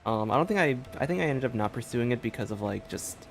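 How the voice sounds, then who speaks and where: A man's voice: mid-range voice, lively intonation, fast, creaky, music in the background. A man streaming a game and chatting casually in a rambling, hesitant way. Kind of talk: casual livestream chat.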